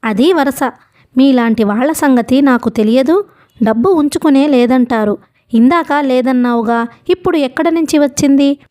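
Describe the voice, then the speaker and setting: A woman voicing a coarse, bullying male loan collector who shouts rudely, in a storybook reading. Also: high voice, moderate pace, lightly acted. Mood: rough, scornful. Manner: loud, rude, shouting.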